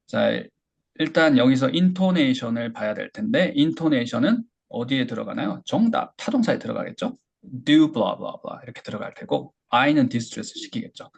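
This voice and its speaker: In an online lecture, a man teaches English pronunciation, explaining step by step and slowly modeling phrases for learners to repeat. His mid-range voice is creaky and slightly rough.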